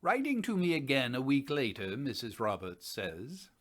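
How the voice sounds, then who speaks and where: A man in his sixties playing a gentlemanly Edwardian scientist, formally reading out his chronicle of a ghost investigation. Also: medium pitch. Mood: formal, assured. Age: 60s. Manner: formal, measured, expressive. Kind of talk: dramatic reading of a written chronicle. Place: indoors, home study.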